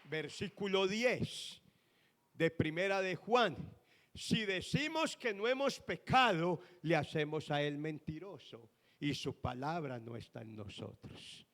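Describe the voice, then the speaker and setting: Middle-aged male pastor, impassioned sermon delivery, higher voice, long church reverb. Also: animated, slow pace, fairly bright tone. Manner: impassioned preaching with emphatic bursts. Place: church hall.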